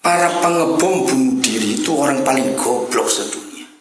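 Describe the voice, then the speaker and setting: A man preaching a lively sermon to a congregation with a slight tinge. He swings from soft asides to loud shouted lines and teases the crowd. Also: medium pitch, normal speed, music in the background. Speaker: pastor. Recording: roomy church hall with congregation.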